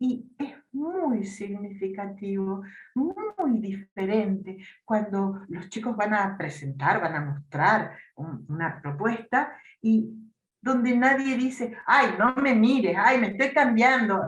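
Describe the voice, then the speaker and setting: Amid audible room echo, a woman speaks very slowly, somewhat breathy, at a fairly high pitch with lively intonation. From Argentina. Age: 70s. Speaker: theatre education professor. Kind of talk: lecture. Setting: video call.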